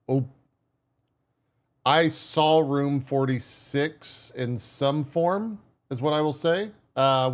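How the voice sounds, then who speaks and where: A man co-hosting a casual gaming podcast, telling stories about his play in a measured way and poking fun at himself. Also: medium pitch. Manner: measured, storytelling with self-deprecating asides. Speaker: podcast co-host.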